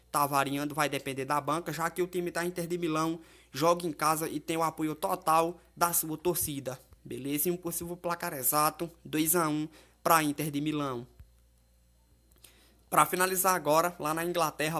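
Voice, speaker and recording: A Brazilian man with a somewhat high-pitched voice hosts a voice-over of sports betting tips. His delivery is casual commentary, colloquial and familiar, aimed straight at his viewers. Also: fairly bright tone. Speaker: sports betting tipster and host.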